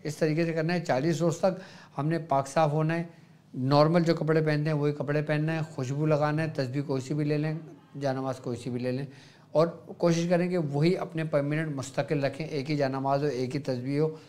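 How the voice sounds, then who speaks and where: A man's voice: fairly high pitch, steady tone, brisk. Man teaching with a Pakistani Urdu accent. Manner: patient step-by-step teaching, softly demonstrating chants. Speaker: Sufi spiritual guide. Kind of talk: religious instruction.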